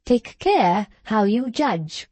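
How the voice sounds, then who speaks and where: A woman's voice: on the high side, lively intonation, warm tone, no room sound, pitched above the performer's own voice. A woman voicing a stern, cold old mother. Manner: stern, unyielding, measured. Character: stern, cold older mother, a widow in a wheelchair.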